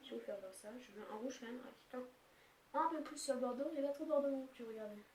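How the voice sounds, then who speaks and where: A young woman with a fairly high voice chats about her makeup palettes, rambling and casual, full of little fillers. She is recorded on a camera's own mic in an echoey room with a faint hiss behind her. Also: fast talker, darkish tone. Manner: chatty, rambling, filler-heavy. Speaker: beauty vlogger. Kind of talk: casual makeup haul chat. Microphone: camera's built-in mic.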